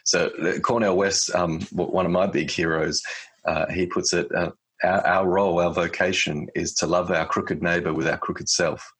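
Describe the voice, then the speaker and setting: Low husky-voiced man, thoughtful guest. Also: fairly even intonation, moderate pace, a bit bright. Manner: reflective, many fillers and restarts. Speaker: podcast guest. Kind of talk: casual conversation.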